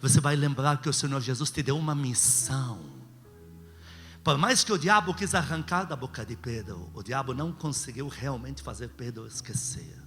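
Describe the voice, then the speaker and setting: A man's voice: medium pitch, expressive, normal speed, a bit bright. A man with a Brazilian accent preaching emphatically to a congregation as a pastor, exhorting and posing rhetorical questions. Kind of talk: sermon with call and response. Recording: long hall reverb, music behind.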